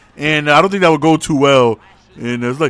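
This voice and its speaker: A man speaks in a raised, projected voice. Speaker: gaming YouTuber. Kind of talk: gameplay commentary. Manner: casual, conversational. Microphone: new clearer microphone.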